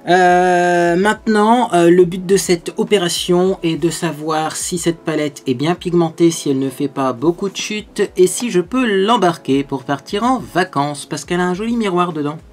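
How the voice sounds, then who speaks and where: A man hosting a makeup tutorial in a casual, chatty way, animated and full of little fillers. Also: sits high, moderate pace, few pauses, soft background music. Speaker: beauty video host.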